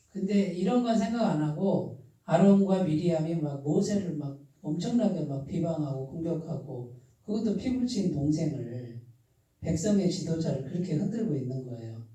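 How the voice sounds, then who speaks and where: A man's voice: on the high side, mellow. A man pastor preaching a sermon, often asking his congregation questions and waiting for their replies. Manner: asks the congregation questions and waits for answers. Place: church sanctuary. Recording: very echoey room, voice far from the mic.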